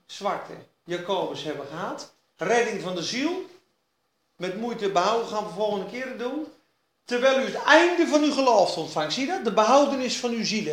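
High-voiced man preaching in an echoey hall. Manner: emphatic, repeats key phrases, drops to quiet asides. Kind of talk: sermon. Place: evening church meeting. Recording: echoey hall, faint background noise.

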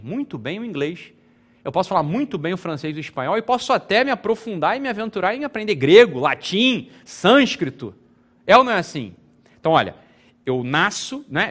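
A man's voice: on the high side, a bit bright. A Brazilian man giving an informal spoken lecture, emphatic and repetitive, often checking with his listeners through rhetorical questions. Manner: repeats phrases, restarts. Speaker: teacher.

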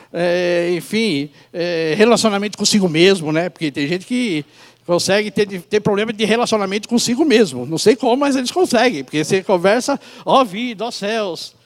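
High-pitched male preacher in his fifties. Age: 50s. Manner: conversational, addresses listeners directly with rhetorical questions. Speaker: pastor preaching to a congregation. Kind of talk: informal sermon with personal storytelling.

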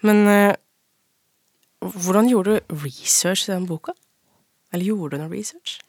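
A woman interviewer who asks an author about her book in a quiet, conversational way. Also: mid-range voice, no echo, studio quality.

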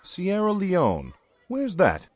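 An actor playing a street reporter, asking friendly, scripted questions outdoors at a playground. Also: male voice, sits high, huge pitch swings, takes it slowly, no echo, exaggerated voice.

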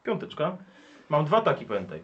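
A man's voice: a little high, wildly swooping pitch, a little fast. A man playing a fighter at a tabletop role-playing game, calling out his dice rolls. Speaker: player. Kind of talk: casual tabletop game chat. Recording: distant muffled recording with audible hiss.

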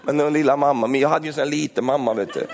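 Male preacher, animated sermon, acts out scenes, raised gravelly voice. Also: on the high side, background noise. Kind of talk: lively sermon.

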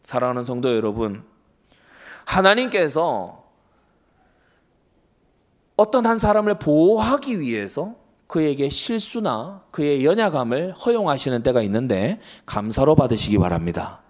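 A man's voice: a little high, sing-song, measured pace. A middle-aged man preaching a Sunday sermon to his congregation, earnest and emphatic, often asking rhetorical questions and answering them. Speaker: pastor.

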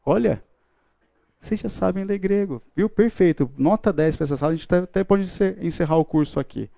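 A man's voice: high voice, fairly quick, vocal fry, dark tone, dry recording. A man teaching a Bible class, joking and playful with his students. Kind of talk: classroom lecture. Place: classroom with a live audience.

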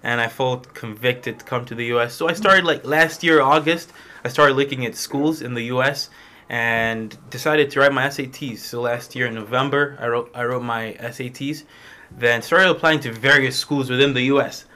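Young man, bright voice. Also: medium pitch, normal speed. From Malawi. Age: young adult. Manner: informal, conversational storytelling. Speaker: international student speaker. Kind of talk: personal testimony to a small group.

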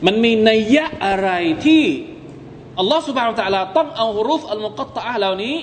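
Male Islamic teacher, high lively voice, emphatic lecturing, long hall reverb. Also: fast, slight background noise. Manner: animated, rising to emphatic peaks, addresses listeners as brothers. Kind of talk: Quran commentary lecture.

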